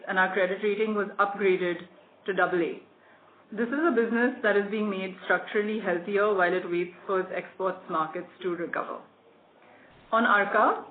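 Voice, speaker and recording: An executive reads a scripted earnings presentation in a formal, measured corporate way. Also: medium pitch. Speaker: company executive presenting quarterly results. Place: conference call. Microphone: phone or conference call line. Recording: phone-like conference line with clear noise.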